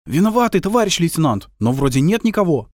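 Мужчина-чтец озвучивает болтливого молодого красноармейца, который ворчит и жалуется. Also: male voice, on the high side, sing-song, fast, a little mellow, no echo, clean studio sound, voice pushed up. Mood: apologetic. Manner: complaining, chatty. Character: talkative young Red Army soldier, grumbling.

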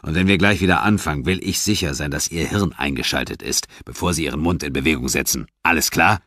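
A man plays a blunt, gruff senior police officer in a low voice, recorded dry and close. He talks down to a younger man in a curt, no-nonsense way. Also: fast talker, a bit bright, no echo. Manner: gruff, blunt, fatherly-condescending.

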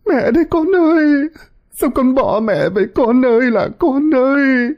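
A man's voice: animated, unhurried, muffled recording, exaggerated voice. A man voicing a grief-stricken old mother in her seventies, sobbing and wailing for her drowned sons. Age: 70s. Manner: shrill high wailing.

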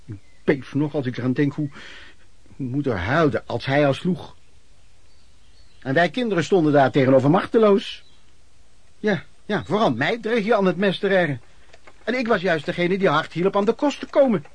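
A man's voice: fairly high pitch, animated, normal speed, long pauses, husky, no room sound. An actor playing an embittered working-class man who recounts his miserable youth in a colloquial radio play monologue. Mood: pained, brooding. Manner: colloquial, emotional storytelling with repetitions. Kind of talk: Dutch radio play narration, reminiscing monologue.

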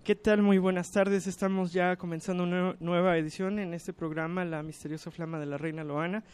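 Hesitant high-voiced man hosting radio. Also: level tone, fairly quick, a little mellow, clear, resonant tone, no room sound, faint music behind. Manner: hesitant, many fillers and restarts. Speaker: radio show host. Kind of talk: casual radio talk.

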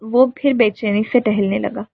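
Husky woman narrating a novel. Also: medium pitch, fairly even intonation. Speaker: audiobook narrator. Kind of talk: dramatic novel reading. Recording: dry tinny phone-like recording.

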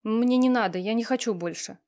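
A woman voicing a hurt, tearful young woman who answers slowly and stubbornly. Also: fairly high pitch, a little mellow, lightly acted. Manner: slow, subdued, stubborn replies. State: tearful, sniffling.

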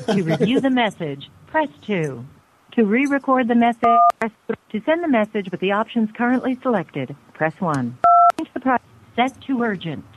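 A woman's recorded voice giving automated phone system prompts in a polite, measured way. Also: a little high, big pitch swings, no room sound, rough recording. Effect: automated phone system message.

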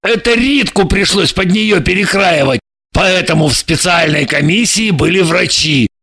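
A man's voice: sits high, normal speed, heavily acted. A man voicing a blunt, impatient male spy handler in his thirties, reading an audiobook. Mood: explaining. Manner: blunt, impatient, gravelly and shouting.

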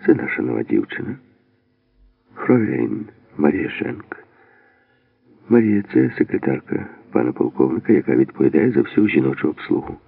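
A man's voice: a bass voice, sing-song, normal speed, gravelly, long pauses, no echo, exaggerated voice. A man voicing a cold stern officer. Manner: cold, heartless. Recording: dry, phone-like narrow band.

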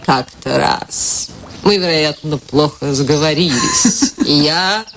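A woman's voice: sits low, animated, slow, fairly bright tone, slight background noise, exaggerated voice. An actress playing a playful, teasing young woman poet in a radio drama. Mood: playful, hesitant.

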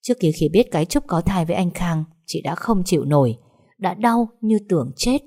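A woman reads a dramatic story aloud in a lowish voice. Her narration is scripted and even, carrying the plot between the characters' lines. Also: a little fast.

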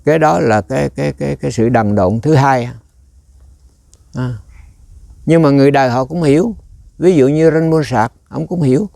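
A man's voice: mid-range voice, moderate pace, gravelly, long pauses, dark tone, no echo, clean studio sound. A man giving a rambling, conversational dharma talk as a Buddhist monk, often turning to quiz his listeners.

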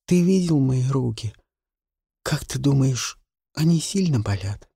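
A man's voice: medium pitch, animated, vocal fry, mellow, husky, dry recording, clean studio sound, full character voice. A man voicing a dying, bitter captive woman. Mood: desperate. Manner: slow, weary, bitter.

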